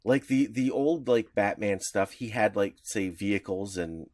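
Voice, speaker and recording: A man's voice: lowish voice, measured pace, darkish tone, no room sound, studio quality. A man co-hosting a podcast, explaining at length in a casual, rambling way with lots of fillers. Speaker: podcast co-host.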